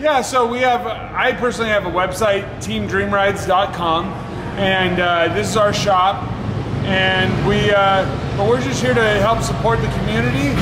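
Loud noise fills the background while a man speaks at a moderate pace. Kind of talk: interview answer. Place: workshop.

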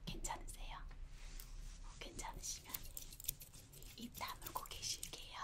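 A woman whispers at a very slow pace. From Korea. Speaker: ASMR creator. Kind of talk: ASMR role-play, hair salon.

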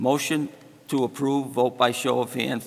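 A man's flat, monotone delivery at a moderate pace. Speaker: council member giving subcommittee report. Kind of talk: reading meeting minutes. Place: hall. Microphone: podium.

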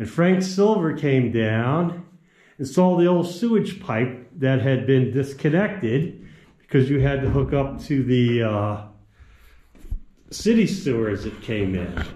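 Somewhat breathy and dark, mellow in tone, a man speaks at a fairly slow pace with very wide pitch swings amid audible room echo. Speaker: tour guide. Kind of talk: guided tour commentary. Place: tunnel cave. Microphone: phone near.

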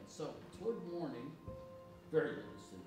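A man speaks with audible room echo. Clear music plays in the background. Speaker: stage actor. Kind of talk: theatrical monologue. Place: stage. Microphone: camera far.

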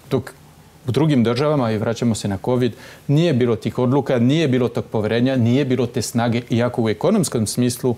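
A man speaks at a very fast pace in a dark, mellow tone. His pitch variation is ordinary. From France. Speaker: humanitarian and election candidate; election candidate. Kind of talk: TV interview. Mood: earnest, persuasive. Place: studio. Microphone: lapel.

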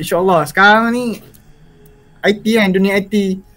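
Raised and projected, a man's voice has a bright, sharp tone as he speaks at a very slow pace. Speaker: stranger on video chat. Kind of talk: casual chat. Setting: video call.

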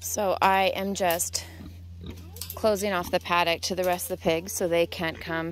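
A woman speaks at a fairly slow pace. Faint music plays behind her, and the sound is dry with no echo. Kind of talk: casual vlog chat. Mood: subdued, sad, hesitant. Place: forest. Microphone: phone near.

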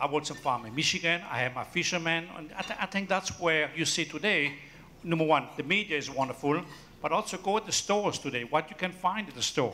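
A man's high-pitched voice in a French accent, with ordinary pitch variation, big swings in loudness and light background noise. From France. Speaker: chef. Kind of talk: casual chat. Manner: halting. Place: stage. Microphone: handheld.

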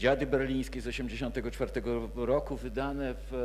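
A man's voice over light background noise. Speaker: panel moderator, literature professor. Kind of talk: moderated literary panel discussion. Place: hall. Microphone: handheld.

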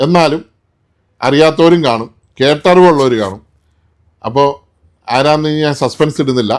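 The speaker has a plain, everyday voice. Its pitch variation is ordinary. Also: man, fairly high pitch for a man. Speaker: YouTube channel host. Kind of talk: interview.

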